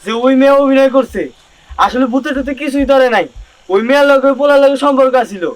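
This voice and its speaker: A man's voice: extremely high pitch, quick pace, no room sound. A man playing the groom's puzzled friend. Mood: speculating. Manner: puzzled, speculating. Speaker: actor in a village comedy short film. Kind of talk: rural comedy drama acting.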